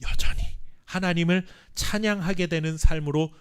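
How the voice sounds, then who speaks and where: A Korean pastor preaching a sermon with earnest emphasis and dramatic pauses, sometimes reading scripture slowly. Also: male voice, fairly high pitch, steady tone, smooth. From South Korea. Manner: reads scripture aloud slowly with the congregation.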